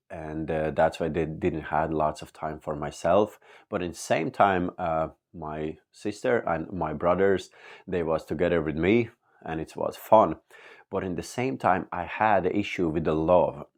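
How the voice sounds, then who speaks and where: A man from Latvia sharing a personal faith testimony in earnest, halting English with many pauses. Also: sits low. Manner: earnest and open. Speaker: church member giving testimony.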